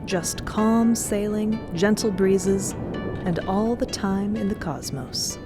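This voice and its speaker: A woman's voice: medium pitch, takes it slowly. A woman reading scripted narration for a fiction podcast. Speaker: narrator and performer. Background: music.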